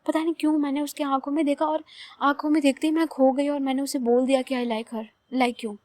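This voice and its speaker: Woman putting on a possessive young girl, snappy and impatient, high voice, dry sound. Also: flat delivery, brisk, a little mellow, no room sound, lightly acted. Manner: blunt, impatient, insistent. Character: hot-tempered possessive young woman in love.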